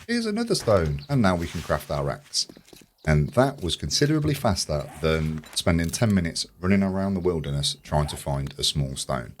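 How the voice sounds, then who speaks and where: A man giving chatty, enthusiastic commentary as a let's play host, slightly croaky from a sore throat. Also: sits low, a little hiss or hum. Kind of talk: casual video game commentary.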